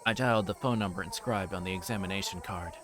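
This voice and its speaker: Low-voiced man reading aloud, noisy recording. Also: fast. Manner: stumbles over words and rereads them. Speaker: streamer reading a visual novel aloud. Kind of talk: reading game narration aloud on a livestream. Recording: clearly noisy background.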